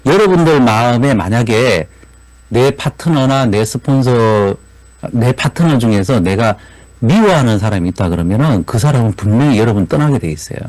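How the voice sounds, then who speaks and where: Man, seminar lecturer, lively intonation, dry sound, rhetorical questions, tag questions. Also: medium pitch, normal speed, dry recording, low-quality recording. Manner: animated, frequent rhetorical questions, repeated tag "그죠?".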